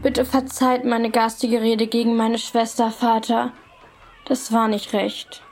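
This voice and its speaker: A woman's voice: on the high side, level tone, slow, soft background music. A woman playing an anxious, spirited but obedient young medieval girl, hesitant and respectful, in a German radio play. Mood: contrite, doubtful.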